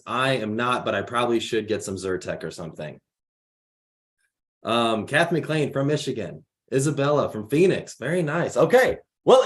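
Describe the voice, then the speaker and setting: Young male workshop host from the Chicago area, slightly raspy voice, relaxed chatty manner, on a video call. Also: medium pitch. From Chicago area, United States. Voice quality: raspy from allergies. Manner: chatty, reads out attendees' names and places. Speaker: program founder hosting a mentor workshop. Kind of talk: casual online workshop hosting.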